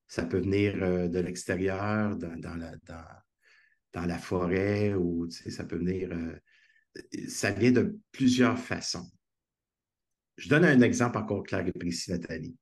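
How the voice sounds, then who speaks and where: A man's voice: low-pitched, steady tone, measured pace. A man with a Québécois French accent, a guest speaker telling stories in a conversational interview, earnest and enthusiastic, on a video call.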